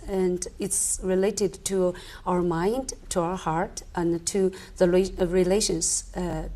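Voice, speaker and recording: A woman from China with a Chinese accent, an interview guest answering slowly and hesitantly with many fillers. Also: fairly low pitch, warm tone.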